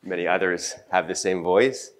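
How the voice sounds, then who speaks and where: A middle-aged man from Canada giving a casual conference talk into a handheld mic, chatty and self-deprecating, with a groggy morning voice and throat clearing. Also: sits low, normal speed. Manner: chatty, self-deprecating, many fillers and restarts. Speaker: conference speaker. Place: conference room.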